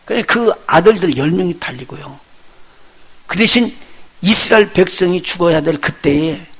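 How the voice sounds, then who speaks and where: A male pastor preaching a sermon, telling the story with lively, acted-out voices and putting questions straight to his congregation. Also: sits high, moderate pace, slightly rough. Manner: lively storytelling, acts out the characters he retells; addresses the congregation directly with questions.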